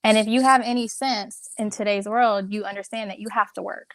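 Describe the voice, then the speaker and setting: A woman's voice: mid-range voice, fairly even intonation, a little fast, dry recording. Earnest woman making her point, dry sound. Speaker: caller. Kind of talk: casual live-audio chat.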